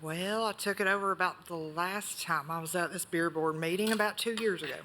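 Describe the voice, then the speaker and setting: A woman's voice: lowish voice, fairly quick, bright, forceful tone, a little hiss or hum. Curt, defensive woman business owner. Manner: curt, defensive short answers. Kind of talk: answering questions at a hearing. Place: county board meeting room.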